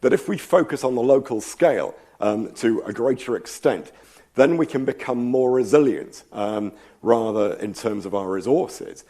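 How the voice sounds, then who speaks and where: Male lecturer, slight cold, voice a bit worn, thoughtful and rambling, mid pitch. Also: normal speed, warm tone. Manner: thoughtful, rambling, frequent ums and asides. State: slight cold, losing his voice. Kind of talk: public science lecture. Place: lecture hall.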